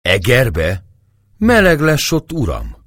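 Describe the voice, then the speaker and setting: A man's voice: mid-range voice, no echo, studio quality, pitched above the performer's own voice, exaggerated voice. A man playing a sly, fawning old gypsy. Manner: flattering, rustic speech.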